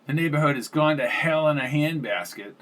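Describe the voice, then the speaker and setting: A man's voice: on the high side, fairly quick, a bit bright, lightly acted. A man doing a brash, cursing landlady. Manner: brash, gossipy, curses freely. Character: blunt, foul-mouthed older landlady.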